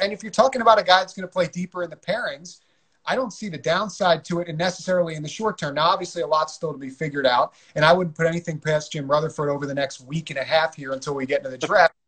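A man hosting a casual hockey podcast, talking in a steady, measured, analytical way. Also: on the high side, breathy edge. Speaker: podcast host.

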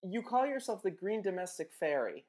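An interviewer who asks questions in a reflective, unhurried way. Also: mid-range voice, sing-song, darkish tone. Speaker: interviewer, host.

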